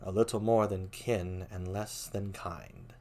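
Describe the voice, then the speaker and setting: A man's voice: low voice, wildly swooping pitch, slow pace, gravelly, a little mellow, voice pushed down, heavily acted. A man voicing a brooding, grieving young prince in a subdued theatrical reading of Shakespeare. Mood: brooding, bitter.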